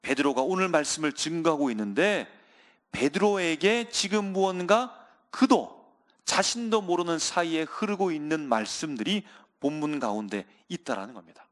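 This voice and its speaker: A male pastor preaches a sermon earnestly, often calling out to the congregation and slowing down for emphasis. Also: fairly high pitch, expressive, a bit bright.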